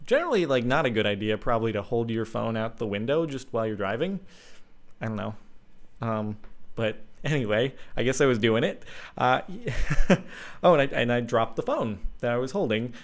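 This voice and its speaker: Young guy reading fan fiction off his laptop, chill and jokey, middle pitch. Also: lively intonation, moderate pace. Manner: casual, jokey, many ums. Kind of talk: reading a story aloud with asides. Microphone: desk mic at laptop.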